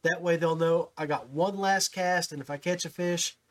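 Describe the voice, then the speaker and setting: A man's voice: fairly high pitch, moderate pace. A man hosting a fishing podcast, talking in a folksy way and often repeating his first words. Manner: folksy, repeats words when starting sentences. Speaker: podcast host. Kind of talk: casual podcast interview. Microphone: call audio with his own mic.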